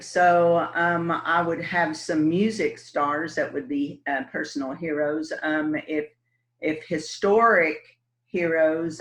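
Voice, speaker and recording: A woman with a West Texas twang, running for city council and telling her story. She takes her time, speaking slowly, and drops in plenty of ums and uhs. Her manner stays folksy and relaxed throughout. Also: deep voice, rough recording. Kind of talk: casual interview answers.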